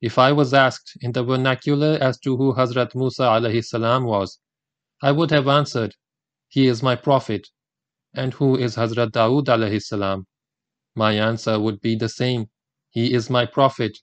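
Older Gujarati-speaking man giving a measured lecture. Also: medium pitch, fairly even intonation, no echo. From India. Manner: measured, deliberate delivery with Quranic recitation. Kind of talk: formal religious lecture.

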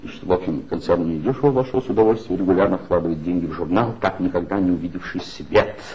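An actor playing a bitter, ironic former magazine writer in a 1960s radio play, speaking in a measured, wry way. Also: male voice, deep voice, a little mellow, breathy edge. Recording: dull old 1960s radio recording with faint hiss.

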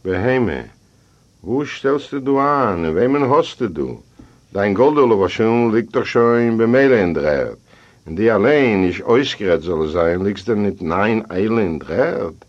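A man's voice: fairly low pitch, animated, unhurried. A man doing a mocking well-off contractor. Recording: dull lo-fi recording.

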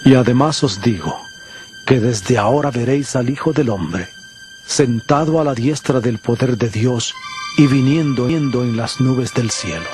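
Man acting solemn calm holy teacher, medium pitch, earnest n measured, bible drama w music behind. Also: lightly acted. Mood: solemn proclaiming.

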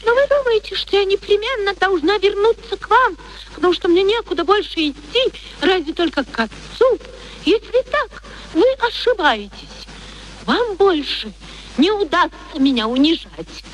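A woman's voice: very high-pitched, lively intonation, normal speed, low-quality recording. An actress playing a proud, passionate young woman in a radio play, theatrical and emotional. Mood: defiant. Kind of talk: Soviet radio play acting. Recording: old radio play recording, faint noise.

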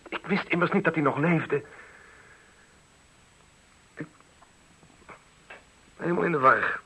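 Tense sharp voice, slightly raspy, hurt teenage son, accusing, passionate, confrontational, radio drama. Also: male voice, a little high, measured pace, heavily acted, low-quality recording. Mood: hurt, confused. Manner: confrontational, intense. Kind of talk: Dutch radio play acting.

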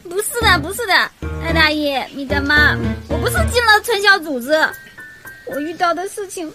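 A timid young woman in a radio play, her voice pitched extremely high and childlike. She is crying and halting, with clear music underneath. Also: animated. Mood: tearful. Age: young adult. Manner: shy, hesitant. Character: tearful, timid young woman, a former tenant. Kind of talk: radio drama acting.

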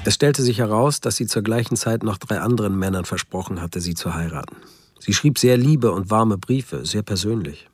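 Husky, lovelorn trusting man. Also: on the low side, expressive, normal speed, no room sound, studio quality, faint music behind. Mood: subdued. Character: trusting, lovelorn male victim of romance scam. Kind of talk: quiet first-person account in radio drama.

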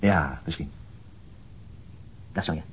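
An actor playing a sober, determined police detective in a radio crime drama, terse and matter-of-fact, with a husky voice. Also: male voice, very deep voice, takes it slowly, full character voice. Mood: firm, weary.

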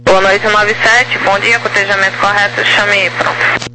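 Male ground controller, notably high voice, issuing procedural clearances over a humming, noisy radio. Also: little pitch movement, normal speed. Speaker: air traffic ground controller. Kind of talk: procedural radio instructions to pilots. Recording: noisy aviation radio with hum.

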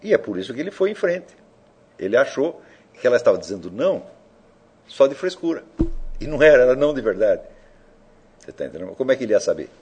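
A man's voice: mid-range voice, very animated, quick pace, pauses often, a little mellow, a little hiss or hum. A man giving an informal lecture, provoking his listeners with rhetorical questions and casual swearing.

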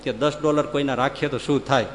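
A man's voice: mid-range voice, fairly even intonation, fast talker, in a large hall, slight background noise, close to an everyday voice. A man voicing an indignant, blustering rich landowner. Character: angry rich male landowner wanting revenge.

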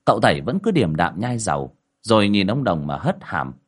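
A man's voice: fairly low pitch, sing-song, moderate pace, slightly rough. A man narrating a ghost story in a dramatic manner, voicing the characters' dialogue.

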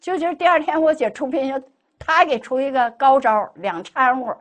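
A woman's voice: high voice, normal speed. A middle-aged woman tells a personal testimony as a Buddhist lay speaker, acting out the dialogue she quotes. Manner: animated, acts out quoted dialogue.

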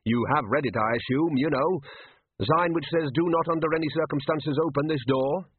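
A man's voice: on the high side, fairly quick, husky, no room sound, voice pushed up. A man voicing a sarcastic senior male wizard with a prodding manner. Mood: needling. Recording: tinny phone-like band.

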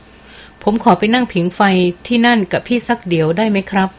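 A woman's voice: mid-range voice, moderate pace, lightly acted. A woman voicing a polite, eager young male army officer.

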